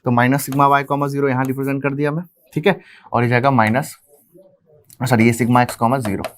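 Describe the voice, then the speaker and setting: A man's voice: medium pitch, steady tone, normal speed, noisy background. A man with an Indian accent teaching an engineering class. He mixes in English technical terms, repeats key phrases and asks the class questions that he then answers himself. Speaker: engineering lecturer. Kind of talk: classroom lecture explaining at a whiteboard.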